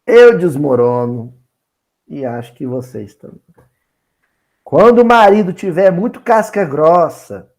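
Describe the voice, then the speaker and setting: Male Bible study speaker with a Minas Gerais accent; slow, emphatic, swooping delivery. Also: a little high. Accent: Minas Gerais Brazilian Portuguese. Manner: animated and expressive, slow and emphatic.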